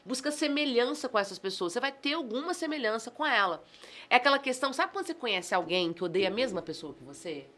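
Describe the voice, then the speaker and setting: A woman with a Brazilian accent, a communication trainer chatting as a podcast guest, animated and exclamatory, acting out the dialogue in her stories. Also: a little high, fast talker. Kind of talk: casual podcast conversation.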